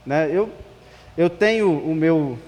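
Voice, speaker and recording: A man's voice: a little high, lively intonation, slow, darkish tone. A male pastor with a Minas Gerais Brazilian accent, preaching to a congregation in a conversational manner. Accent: Minas Gerais Brazilian Portuguese. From Espírito Santo, Brazil. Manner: conversational, rhetorical questions, tag "né". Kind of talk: sermon to a congregation. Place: church service, amplified hall. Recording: reverberant hall.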